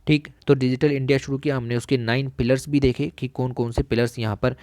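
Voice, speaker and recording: A man teaching an exam-prep lesson, explaining a magazine and slowing down to read quoted lines. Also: mid-range voice, fairly even intonation, darkish tone, no room sound. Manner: explains in Hindi, switches to slow, deliberate English for quoted lines; frequent "theek hai" and "alright" check-ins with the listener. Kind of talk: recorded lesson reading through a magazine.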